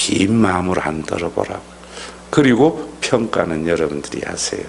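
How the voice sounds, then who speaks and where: A man talks at a fairly slow pace, his pitch swinging very widely. Room echo is audible, along with noticeable background noise. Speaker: pastor. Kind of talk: lecture.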